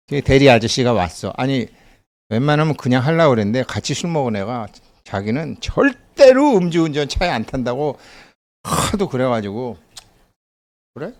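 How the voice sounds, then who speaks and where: A man's voice: mid-range voice, vocal fry, darkish tone. A middle-aged man giving a casual lecture, chatty, telling stories and laughing often as he acts out little bits of dialogue.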